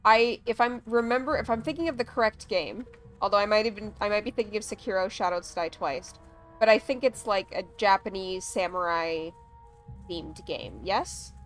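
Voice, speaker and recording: A woman's voice: medium pitch, moderate pace, soft background music. A woman chatting casually on a gaming livestream, rambling along with plenty of "like" and "um". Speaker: streamer.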